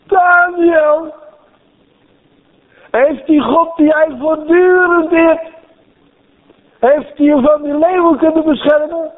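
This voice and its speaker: An anxious ancient king calls out and pleads in a high, strained voice, as a preacher acts him out. He sounds worried and sleepless. The sound is thin and narrow, like a phone line on the radio. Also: steady tone, slow pace, long pauses, in a large hall. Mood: pleading. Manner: pleading, calling out.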